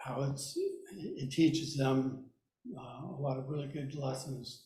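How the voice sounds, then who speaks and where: A man speaks at a fairly slow pace and a medium pitch, with a dark, mellow tone that is somewhat breathy. Audible room echo surrounds his voice. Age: 60s. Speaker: resident testifying at public meeting. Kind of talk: public testimony. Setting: city planning commission meeting.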